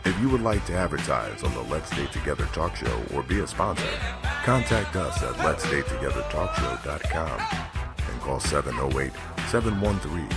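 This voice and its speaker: Booming deep-voiced male announcer. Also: sing-song, normal speed. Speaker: station announcer. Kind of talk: radio show announcement. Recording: distant announcer over loud music.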